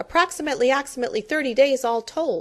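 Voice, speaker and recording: Putting on a character voice, a woman speaks at a very fast pace in a high pitch. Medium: read story. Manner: repeats syllables, chatty.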